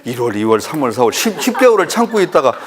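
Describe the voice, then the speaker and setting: A man's voice: medium pitch, fast, a crowd in the background. A male professor, giving a humorous lecture full of anecdotes and acting out conversations to tease his audience. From Chungcheong, South Korea. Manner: animated storyteller who acts out dialogue and teases the audience.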